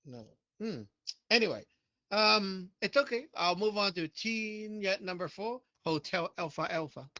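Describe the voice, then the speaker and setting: High, bright male voice, slow and unhurried, dry and muffled call sound, leader of the net. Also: animated, no room sound. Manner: unhurried, thinking aloud. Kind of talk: leading a group call.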